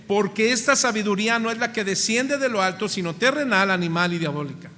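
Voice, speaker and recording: A Mexican pastor with a high, bright voice preaches with a Mexican accent, putting question after question to his congregation and stretching out the words he stresses. The sound carries the long reverb of a church hall. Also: a little fast. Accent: Mexican Spanish. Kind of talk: sermon.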